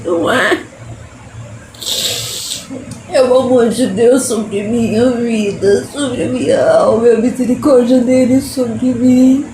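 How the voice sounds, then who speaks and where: A woman's voice: on the high side, fairly even intonation, slow, long pauses, dark tone. A woman speaking in a tearful, emotional devotional vlog, laughing through tears and repeating her phrases. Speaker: artist sharing her faith. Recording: roomy echo with faint background noise.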